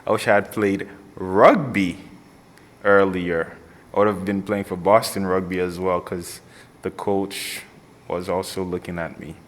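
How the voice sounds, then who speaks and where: A man's voice: low voice, fairly even intonation, unhurried. A man giving a candid, casual answer in an interview. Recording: reverberant hall.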